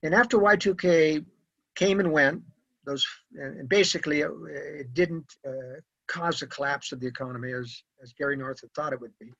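A man's voice: a little high, moderate pace, sharp tone, no echo. An older man, an author, giving earnest, rambling interview answers full of fillers. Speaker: author and guest. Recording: dull lo-fi audio.

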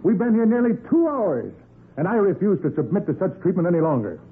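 An actor playing a pompous, irascible store president and villain in a 1940s radio crime drama, with a blustering, imperious manner. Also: male voice, sits high, big pitch swings, fairly quick. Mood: outraged. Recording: tinny, noisy 1940s radio broadcast.

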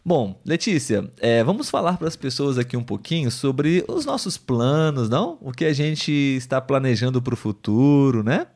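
A man's voice: medium pitch, sing-song, darkish tone. Brazilian man hosting a podcast. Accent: Brazilian Portuguese. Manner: friendly, clear and measured, often checking in with the co-host. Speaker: podcast host. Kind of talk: live podcast chat for language learners.

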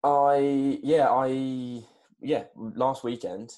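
A man's voice: mid-range voice, fairly even intonation, very slow, warm tone. A young man co-hosting a podcast over a video call, easygoing and hesitant, with many fillers. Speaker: podcast co-host.

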